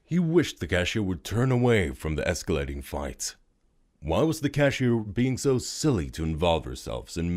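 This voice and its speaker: A man narrating a scripted audio drama story in a dramatic, expressive storytelling manner. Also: low voice. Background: music.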